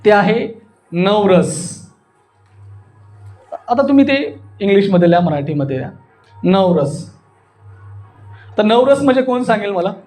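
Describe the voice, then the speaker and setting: A high-voiced man with a Maharashtrian accent leads an interactive public speaking lesson. He talks in an expressive, theatrical way, leaning on key words and stretching them. He often turns to his learners with short questions to check that they follow. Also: a little slow, pauses often, soft background music. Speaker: voice modulation and public speaking coach, anchor. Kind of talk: interactive lesson with spoken demonstrations.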